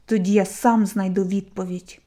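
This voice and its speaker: A woman voicing an eager, excitable young male hedgehog who exclaims and takes offense easily. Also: mid-range voice, normal speed, lightly acted. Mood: earnest.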